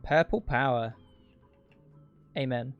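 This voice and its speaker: A man with a mid-pitched voice chats casually while speedrunning a game on stream. He rambles drily and swears, with music playing faintly behind him. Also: slow, dull audio. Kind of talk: casual livestream gaming commentary.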